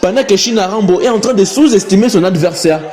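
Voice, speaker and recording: A man's voice: high voice, fast talker, a little mellow. A man with a Congolese French accent giving live play-by-play commentary of a wrestling match, repeating phrases and exclaiming.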